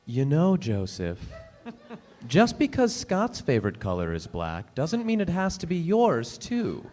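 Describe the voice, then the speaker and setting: A man performs an earnest big brother in a dramatic monologue, scolding his little brother in a high voice. The pitch swings widely, and the words come slowly and haltingly. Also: huge pitch swings, warm tone. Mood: chiding, fussy.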